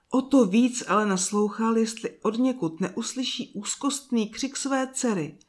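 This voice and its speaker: A woman narrating a children's fairy tale in a calm, soft and slow reading voice. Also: mid-range voice. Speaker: storyteller. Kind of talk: scripted storybook narration.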